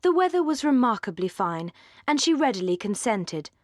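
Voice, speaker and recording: A woman narrating a classic novel in a measured, elegant reading that drops low at the ends of phrases. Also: very animated, dry recording, studio quality. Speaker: audiobook narrator.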